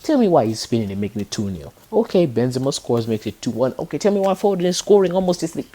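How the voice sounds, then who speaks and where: A young man hosting a podcast, chatting excitedly about football, laughing often and hammering the same rhetorical question. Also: medium pitch, quick pace. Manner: excitable, keeps repeating "tell me why", laughs often. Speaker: podcast host. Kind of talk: casual football chat.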